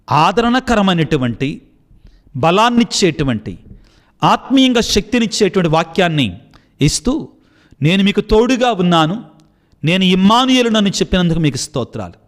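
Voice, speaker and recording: Fired-up catholic priest preaching, guy with a high voice that swings way up and down. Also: very animated, moderate pace, long pauses. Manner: impassioned preaching, rising high on appeals. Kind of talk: sermon and spoken prayer.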